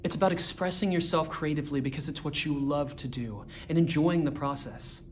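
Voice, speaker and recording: A man in his twenties performing a dramatic monologue as a searching, reflective soliloquy with pauses, recorded indoors a short way from the camera. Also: on the high side. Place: small indoor room with a wall-mounted TV. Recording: noticeable background room noise.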